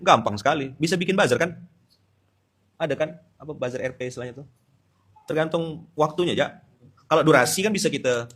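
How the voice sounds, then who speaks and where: A man's voice: medium pitch, fairly bright tone, slightly rough. A man from Indonesia, preaching a dawn sermon with humor and Quran recitation.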